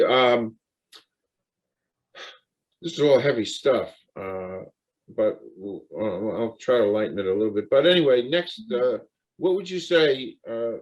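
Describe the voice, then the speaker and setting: A man hosting an interview, speaking haltingly with many fillers and restarts. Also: on the low side, a little mellow, highs cut off. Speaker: talk show host. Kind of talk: interview conversation.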